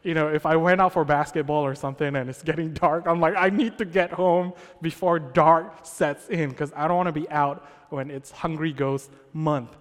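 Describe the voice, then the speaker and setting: Casual preacher from Malaysia, slightly high. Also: male voice, fairly even intonation, normal speed, few pauses. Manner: conversational, with many fillers and check-ins. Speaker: pastor. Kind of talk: sermon. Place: church sanctuary. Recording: long hall reverb.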